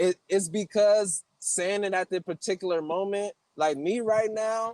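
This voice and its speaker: In an American accent, a man speaks at a fairly slow pace with a high pitch. The sound is dry and close, with no echo. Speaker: podcast host. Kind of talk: casual chat. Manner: halting, many repeated fillers.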